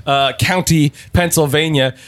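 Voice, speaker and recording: A man's voice: fairly high pitch, fairly even intonation, a little slow, noisy background. A man hosting a casual improv comedy chat with friends, interjecting, repeating himself and swearing freely. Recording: crowd chatter behind.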